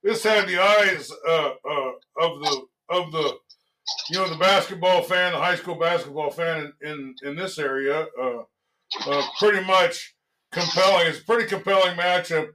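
Folksy guy hosting a local sports show, pretty high voice, halting chatty delivery. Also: background noise. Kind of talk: casual sports radio talk.

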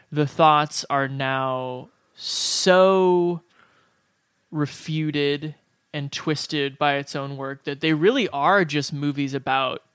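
A man with a slightly high voice, recorded dry with no room sound. He co-hosts a casual film discussion, analysing in a discursive way as he thinks aloud. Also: a bit bright, clear, resonant tone, dry recording. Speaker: podcast co-host discussing films.

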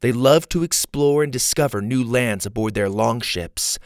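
A man's voice: medium pitch, normal speed, no echo, studio quality, natural voice. A man voicing a bookish young girl who reads facts aloud like a keen pupil. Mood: informative.

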